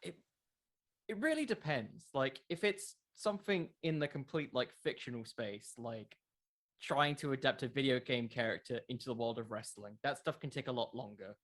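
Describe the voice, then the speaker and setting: A man's voice: medium pitch, expressive, moderate pace, a bit bright. A man in his twenties chatting casually as an interview guest, thoughtful and informal, often hesitating and restarting with filler words. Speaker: podcast creator, interview guest.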